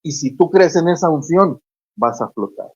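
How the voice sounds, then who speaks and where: A preacher, preaching fervently on a Christian radio show and retelling scripture stories with acted quotes. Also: female voice, low voice, lively intonation, moderate pace, darkish tone, slightly rough, dry recording, muffled recording. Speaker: guest preacher on a radio program.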